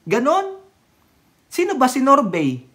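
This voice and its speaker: A vlogger ranting about politics in a casual, mocking way, laughing often, swearing, and jumping sharply in pitch and loudness. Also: huge pitch swings, takes it slowly.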